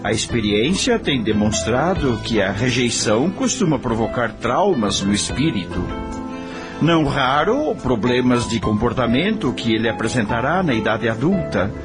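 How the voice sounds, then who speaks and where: An actor playing an idealistic middle-aged Brazilian husband in a radio soap, speaking in an earnest, didactic, persuasive way. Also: male voice, medium pitch, sing-song, moderate pace, music in the background, close to an everyday voice. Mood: solemn, persuasive.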